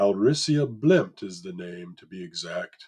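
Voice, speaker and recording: A man's put-on character voice, fairly low in pitch, with lively intonation and a moderate pace. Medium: read story. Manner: curt, grunting.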